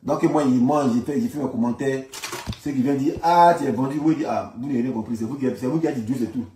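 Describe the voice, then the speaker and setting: A man's voice: medium pitch, fast talker, dark tone, slight background noise. A man from Ivory Coast with an Ivorian accent, delivering an informal political rant in an emphatic, repetitive, argumentative manner. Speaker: political commentator. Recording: roomy, echoing sound.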